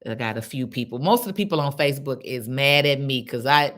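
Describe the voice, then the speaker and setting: Speaking a little fast in a rumbling low voice, this Chicago woman runs a laid-back phone livestream. She's blunt, slangy and lively as she responds to comments, addressing viewers as baby.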